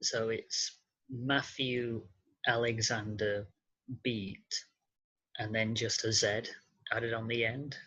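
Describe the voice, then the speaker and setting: A male voice in the late twenties, giving a personal account as a podcast guest in hesitant, halting phrases. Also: fairly low pitch, level tone, sharp tone, rough recording.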